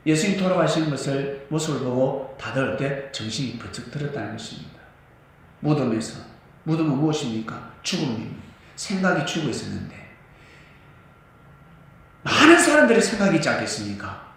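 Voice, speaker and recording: A man preaching a sermon as a pastor, animated and scolding at times, recorded in a church. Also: a little high, a little fast, slight background noise. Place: church sanctuary. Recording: echoey church hall, mic at a distance.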